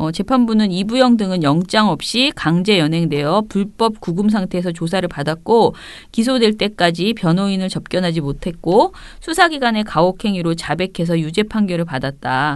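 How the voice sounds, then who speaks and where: A woman at medium pitch speaks with lively intonation over a quiet background. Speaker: media watchdog staff host. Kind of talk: news reading; casual chat. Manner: fast.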